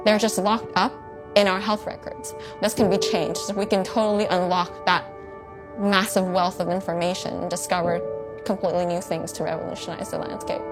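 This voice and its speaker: A woman's voice: lowish voice, little pitch movement, moderate pace. A woman speaking passionately and emphatically in a corporate testimonial. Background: music.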